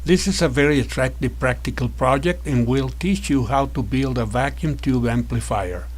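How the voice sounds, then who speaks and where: A man narrating a scripted electronics tutorial as an instructor, explaining in a measured, methodical way. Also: medium pitch.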